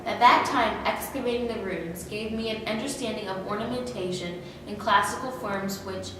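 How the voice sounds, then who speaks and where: A woman's voice: mid-range voice, normal speed, close to an everyday voice. A woman playing a friendly, self-assured male Renaissance sculptor, speaking plainly in a school-style historical skit. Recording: echoey hall from far off, noisy.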